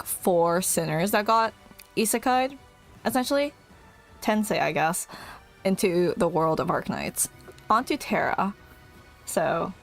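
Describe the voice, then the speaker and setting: A woman streamer chatting casually and excitedly as she reacts, rambling with plenty of fillers and giggles. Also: mid-range voice.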